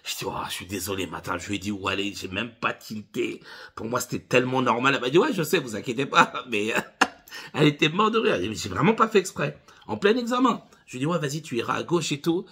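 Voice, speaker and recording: A husky, mid-range voice moving at a quick pace belongs to a man in his thirties who works as a driving instructor. Talking casually to camera, he tells his viewers, "les gars," funny stories with lots of animation.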